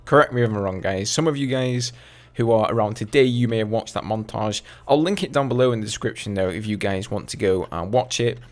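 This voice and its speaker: A man in his twenties with an English accent, casually answering viewer questions over gameplay footage in a relaxed, chatty way. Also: lowish voice, fairly quick. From England. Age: 20s. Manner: chatty, relaxed, with fillers and asides. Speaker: gaming YouTuber.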